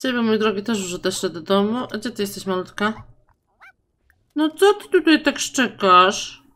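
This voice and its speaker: A young woman casually commenting on her life-simulation game, chatting to her sims and her viewers and going high and loud when surprised. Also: expressive, normal speed. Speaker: gaming YouTuber. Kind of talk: casual let's-play commentary.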